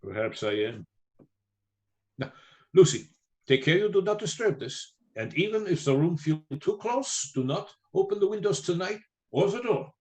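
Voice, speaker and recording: Older Germanic professor, slightly high voice, grave, commanding, fatherly, theatrical radio drama. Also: very animated, normal speed, a little mellow. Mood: gently reassuring. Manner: stilted foreign phrasing, commanding yet fatherly.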